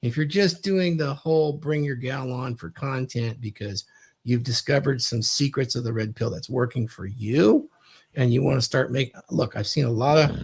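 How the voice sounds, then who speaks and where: Man, raspy gravelly voice, casual panel chat, emphatic. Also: medium pitch. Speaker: podcast co-host.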